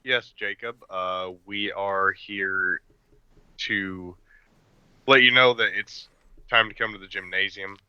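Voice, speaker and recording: Guy playing a formal polite agent in a tabletop game, low clear voice, really forceful, bit muffled mic. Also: fairly even intonation, no echo, heavily acted. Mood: official, polite. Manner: formal, measured, diplomatic. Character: polite, firm male government agent leading evacuation.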